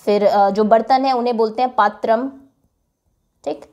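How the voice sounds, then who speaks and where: A woman's voice: on the high side, steady tone, moderate pace, darkish tone, dull audio. A woman teacher giving a classroom lesson, patiently repeating each word and then explaining its meaning, with English words mixed into her talk.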